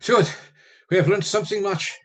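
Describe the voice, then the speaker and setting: Husky, resolute vampire-hunting professor. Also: male voice, high-pitched, fairly even intonation. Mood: urgent resolve. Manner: commanding, solemn, deliberate. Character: resolute male professor leading vampire hunters. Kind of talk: live radio play acting.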